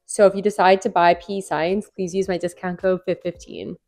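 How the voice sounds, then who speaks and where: A woman's voice: lowish voice, little pitch movement, normal speed, a little mellow. A young adult woman talks casually as a food vlogger hosting recipe reviews, informal and sprinkling in "like" as she goes. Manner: informal, frequent "like" as filler.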